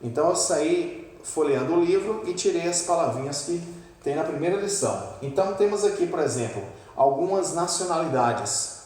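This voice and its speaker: A man with a Brazilian accent teaching an English lesson in a classroom, patiently repeating words slowly to show the pronunciation. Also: on the high side, expressive, a little mellow. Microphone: camera at a distance. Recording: echoey room from far off.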